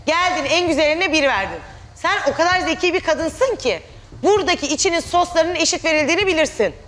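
A woman's voice: extremely high pitch, animated, a little fast, fairly bright tone. A woman contestant on a cooking show, arguing insistently with an older woman about her scores. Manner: insistent, argumentative. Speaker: contestant, daughter-in-law. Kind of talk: reality show argument. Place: TV studio set.

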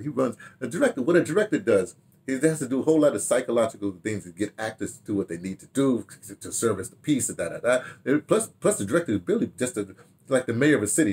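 An older man telling stories casually to camera in an animated, rambling way, repeating himself and trailing into asides. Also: fairly low pitch, very fast, breathy edge. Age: older, 60s or 70s. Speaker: radio drama director reminiscing. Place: small home study, indoors.

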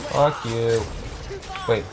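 A man's voice: mid-range voice, fairly even intonation, extremely slow, very noisy. A man giving loose, joking let's play commentary while he plays, swearing freely. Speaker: gamer.

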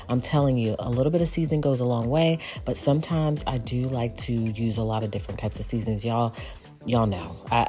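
A woman in her forties, a lifestyle vlogger, talking casually and homily about cooking and cleaning at home. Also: a bass voice. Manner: chatty, relaxed, homey. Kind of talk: casual cook and clean narration. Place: home kitchen. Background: soft background music.

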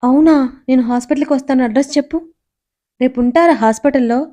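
Woman doing a young wife, curious, anxious, questions tumbling out, higher mellow voice, audio story. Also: natural voice. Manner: eager rapid questioning, worried.

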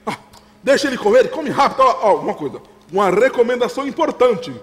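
A fussy, overbearing father who keeps chuckling and repeating his advice, played by a man. His voice sits very high and swings around a lot. The stage-play recording rings with long hall reverb. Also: big pitch swings, quick pace, fairly bright tone, heavily acted. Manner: chuckling, repeats himself, lectures.

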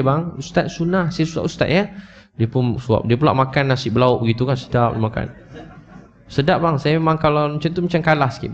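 Middle-aged Malaysian Malay man, preacher, animated storyteller, slightly dull live mosque recording. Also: mid-range voice. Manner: animated storytelling, addresses the crowd as bang and kakak. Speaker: ustaz preacher. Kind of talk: mosque religious talk. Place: small mosque prayer hall.

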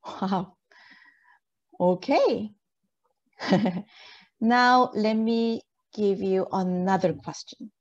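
A woman's voice: medium pitch, drawn-out words, long pauses, darkish tone, lo-fi sound. A woman lecturer giving an interactive online lesson in an encouraging way, checking understanding with questions. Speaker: university lecturer. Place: indoor video call.

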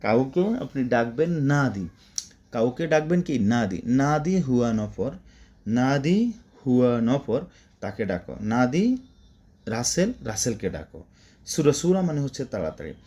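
Bengali guy teaching arabic phrases, goes up and down a lot, mellow tone, repeats stuff over and over. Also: medium pitch, sing-song, measured pace, dull audio. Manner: repetitive, drilling words, chatty asides. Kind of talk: spoken Arabic lesson for Bangla speakers.

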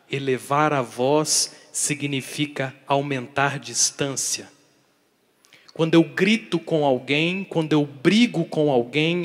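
A priest with a rather high voice preaches a daily catechesis sermon, speaking emphatically and posing rhetorical questions to his listeners. His volume swings between loud and soft for emphasis, and a large hall's long reverb fills the recording.

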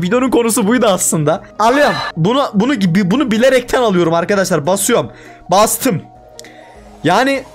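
A young man runs casual gameplay commentary in a high, bouncy voice that jumps all over. He is excitable and plays up his frustration, grumbling to himself. Faint music sits under his voice. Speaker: gaming YouTuber.

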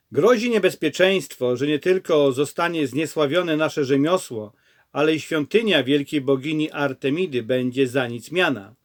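A man reading out an ancient silversmith stirring up the craftsmen around him, spoken in a plain, steady read-aloud voice that sits a little high for a man. It is a scripture reading rather than a performance. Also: close to an everyday voice. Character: male silversmith rousing fellow craftsmen.

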